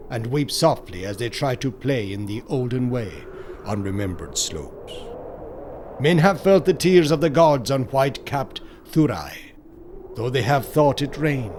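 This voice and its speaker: A man reading a scripted horror audiobook in a solemn, measured storytelling manner, with dramatic pauses and phrases that fall away at the end. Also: mid-range voice, a little hiss or hum.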